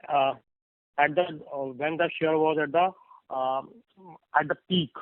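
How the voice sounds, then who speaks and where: Man, investor caller, fairly high pitch, halting deliberate phrasing, dry, thin telephone audio. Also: fairly even intonation, dry recording. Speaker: investor caller asking questions. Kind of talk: earnings call question. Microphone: phone call. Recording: thin, narrow phone line.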